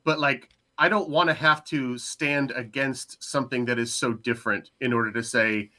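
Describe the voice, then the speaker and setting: A man's voice: mid-range voice, fairly even intonation, moderate pace, pushed and bright. A man in a casual panel discussion, informal and emphatic, often checking that others follow him. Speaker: podcast panelist.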